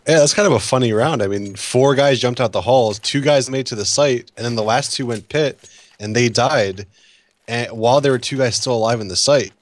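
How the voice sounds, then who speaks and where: A man co-commentating an esports match, offering relaxed, conversational analysis on a headset mic. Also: medium pitch, normal speed, no echo.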